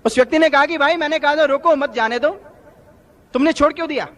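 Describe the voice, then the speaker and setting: Guy preaching a satsang, really high voice, tells little stories to make his point. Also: fast talker, a bit bright. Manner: explanatory storytelling, asks rhetorical questions. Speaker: spiritual discourse speaker. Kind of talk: devotional sermon with parables.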